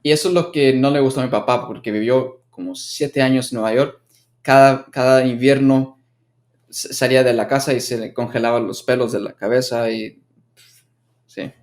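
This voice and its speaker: Young american guy, english native, chats in quick bursts, keeps restarting, medium voice. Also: mid-range voice, steady tone, a little mellow. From United States. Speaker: guest. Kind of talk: casual conversational chat.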